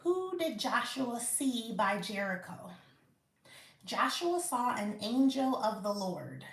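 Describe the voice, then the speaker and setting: A woman hosting a live Bible reading and study, reading aloud slowly and carefully with small slips and restarts. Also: fairly high pitch, very animated, echoey room. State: out of breath.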